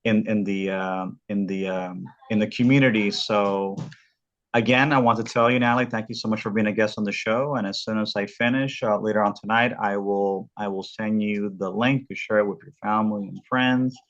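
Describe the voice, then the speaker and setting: Man, very low voice, podcast host, halting, repeats words, dull lo-fi sound. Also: steady tone, a bit bright. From Southern California. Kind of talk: casual interview.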